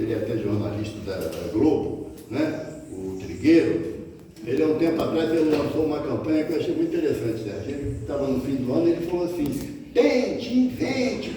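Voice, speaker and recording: A man's voice: a little high, mellow, slight background noise. A man with a Brazilian Portuguese accent giving a spiritist lecture and asking the audience rhetorical questions. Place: lecture hall of a spiritist center. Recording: echoey hall, distant mic, faint ambience.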